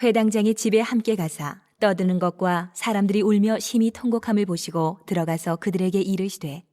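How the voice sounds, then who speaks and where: A woman narrating scripture in a steady, measured reading. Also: medium pitch.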